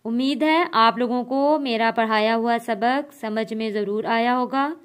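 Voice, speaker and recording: A woman's voice: a little high, unhurried, smooth. A woman with an Urdu-speaking South Asian accent teaching Quran reading, spelling out letters and vowel marks one by one and then blending them, with patient explanations in between. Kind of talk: slow letter-by-letter lesson.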